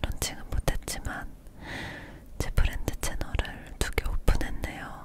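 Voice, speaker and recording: Very slowly, a hushed whisper comes through over noticeable background noise. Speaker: ASMR creator. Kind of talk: casual year-end reflection to viewers. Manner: whispered.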